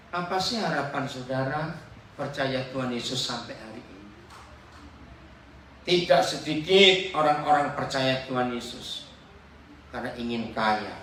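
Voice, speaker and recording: A man's voice: medium pitch, fairly bright tone, a little hiss or hum. A man preaching a sermon as pastor, questioning and joking with his congregation. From Papua. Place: church hall. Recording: very echoey hall, voice from far off.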